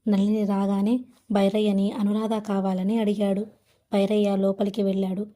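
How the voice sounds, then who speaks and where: A woman narrating a novel aloud in a steady, even storytelling manner. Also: mid-range voice, normal speed. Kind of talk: audiobook novel reading.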